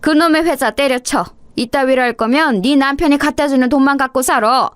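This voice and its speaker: A woman voicing a furious older mother-in-law who shouts and berates her daughter-in-law in coarse words. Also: high voice, a little fast, dry recording, clean studio sound, voice pushed up, lightly acted. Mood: raging scold. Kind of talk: dramatized story reading.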